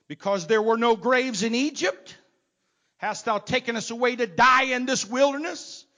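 A man preaching a sermon, swinging from quiet asides to loud, shouted exhortation. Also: extremely high pitch. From not from Texas.

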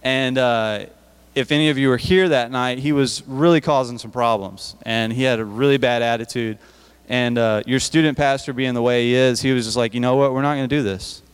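Give me a man preaching to teenagers in a relaxed, repetitive way, smooth voice, reverberant hall. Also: mid-range voice, moderate pace. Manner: conversational, repeats words and restarts. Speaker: youth speaker. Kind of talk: youth service sermon. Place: church hall.

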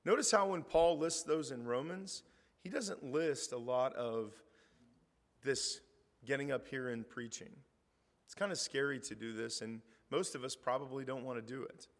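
A middle-aged man preaching a sermon, his voice hoarse, talking conversationally and reading scripture aloud with rising emphasis. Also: mid-range voice, normal speed. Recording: reverberant hall.

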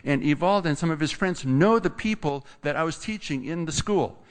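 A man's voice: a little high, lively intonation, normal speed. A man, a pastor, making casual announcements from the pulpit with teasing asides to a guest. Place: church sanctuary. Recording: long church hall reverb.

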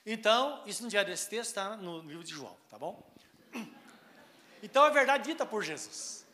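A man preaching a sermon, emphatic, quoting scripture and swinging sharply between loud and soft. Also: expressive, normal speed. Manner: emphatic preaching with sweeping pitch and loudness swings; quotes scripture and acts out voices in a raised tone.

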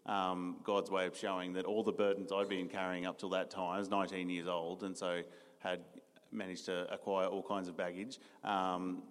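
His voice sits low and level at a normal speed as this young Australian, a new church staff member, gives earnest testimony in a church hall interview. He uses many ums and restarts, and the hall's reverb is clear in the recording.

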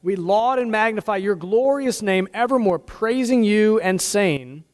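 A man's voice: high-pitched, animated, unhurried. A man with an American accent, a pastor solemnly leading formal prayers and liturgy in a church service. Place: large church interior during a service. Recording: echoey hall with long reverb.

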